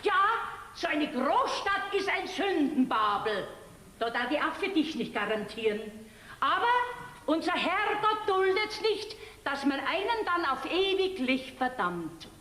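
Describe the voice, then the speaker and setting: An actress playing a shrewd, preachy farm wife with a Bavarian accent in a stage folk comedy. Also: female voice, high voice, very animated, unhurried, exaggerated voice. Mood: lecturing. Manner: lecturing, sharp-tongued. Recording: roomy stage sound with reverb.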